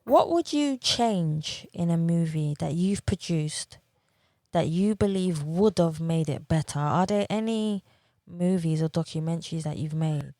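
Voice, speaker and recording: A woman's voice: fairly low pitch, unhurried, warm tone, dry recording, clean studio sound. A woman hosting a podcast, asking long, rambling questions in an encouraging, casual interview style. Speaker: podcast host.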